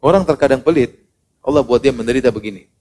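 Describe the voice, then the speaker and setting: A middle-aged man preaching a sermon, animated, acting out the people he quotes and swinging between loud and soft. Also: mid-range voice, fast talker. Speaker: Islamic preacher. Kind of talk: sermon to a congregation.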